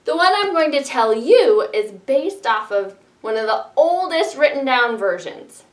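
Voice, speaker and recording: Animated, high-voiced woman opening fairy tale storytime. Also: measured pace. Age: adult, parent of young kids. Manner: animated, addressing young children directly. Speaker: children's librarian and storytime host. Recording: roomy, echoey sound.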